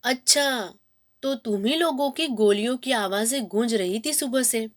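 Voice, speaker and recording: A woman's voice: a little high, a little slow, close to an everyday voice. A stern, commanding army colonel, read out by a woman teacher. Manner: questioning in a gruff, imperious tone.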